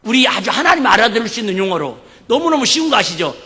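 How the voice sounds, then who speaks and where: A male pastor preaching a sermon and joking in call-and-response with his congregation, sometimes breaking into shouts. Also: high voice, sing-song, quick pace. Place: church sanctuary. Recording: echoey church hall.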